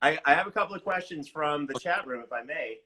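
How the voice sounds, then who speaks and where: A man's voice: a little high, expressive, fast, a loud crowd. A man hosting a podcast interview in casual chat, enthusiastic and complimentary toward the guest.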